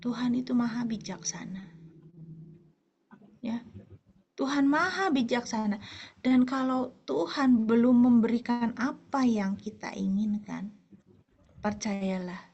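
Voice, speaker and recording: A woman gives a chatty sermon to a group of mothers, weaving in stories from her own life. Her voice sits a little high. The recording sounds dull and lo-fi. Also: darkish tone. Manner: conversational, anecdotal, addresses listeners as "ibu-ibu". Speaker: women's fellowship speaker.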